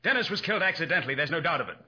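An actor playing an indignant, curt gentleman club member in a 1940s radio drama. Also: on the high side, sing-song, racing, exaggerated voice. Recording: dull old 1940s radio recording.

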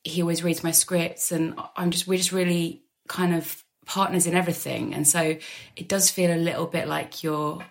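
Female podcast guest, low register, marked vocal fry, informal and chatty. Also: steady tone, moderate pace. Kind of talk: casual chat. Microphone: remote video call.

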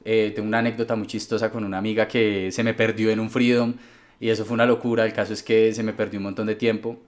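A Colombian man with a somewhat low voice chats easily as a guest DJ. He tells stories in a loose, unhurried way, with plenty of fillers along the way. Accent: Colombian Spanish. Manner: relaxed storytelling with frequent fillers. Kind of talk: casual conversational interview.

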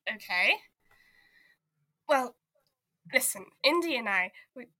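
Woman acting a bright-voiced, exasperated investigator. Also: fairly high pitch, lively intonation, slow pace, no room sound, heavily acted. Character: exasperated, caring woman investigator, undead arcane being. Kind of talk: audio drama table read.

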